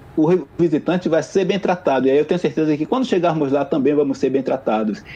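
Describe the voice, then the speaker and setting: This man has a plain, everyday voice, fairly high in pitch with ordinary variation. He talks at a fairly quick pace. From Brazil, Salvador (Bahia). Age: 40s. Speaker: volunteer football club manager. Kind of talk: interview.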